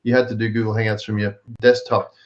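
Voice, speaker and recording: A man's voice: lowish voice, quick pace. Australian male host, easygoing, muffled web audio. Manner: relaxed, explanatory, many fillers. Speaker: live stream show host. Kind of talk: casual chat. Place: home, in the US. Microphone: video call. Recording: dull lo-fi video call audio.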